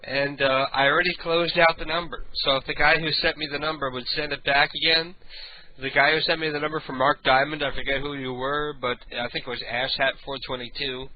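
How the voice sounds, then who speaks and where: A man's voice: a little high, little pitch movement, a little fast. Brash crude radio prank caller, man. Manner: brash, mocking, crude insults, laughs a lot. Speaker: radio host making prank calls. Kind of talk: crude prank call on air. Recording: lo-fi radio broadcast with faint hiss.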